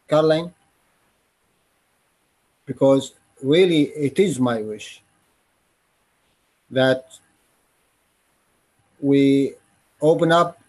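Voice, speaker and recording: Slow-talking man, husky voice, earnest, broken phrasing, video call. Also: fairly high pitch, a little mellow. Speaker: panelist. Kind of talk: online panel discussion.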